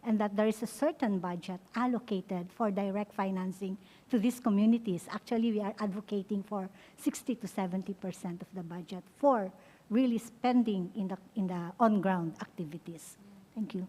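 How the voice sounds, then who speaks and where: A woman's voice: mid-range voice, normal speed, warm tone, long reverb tail. A woman panelist speaking directly in favor of a proposal. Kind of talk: panel discussion remarks.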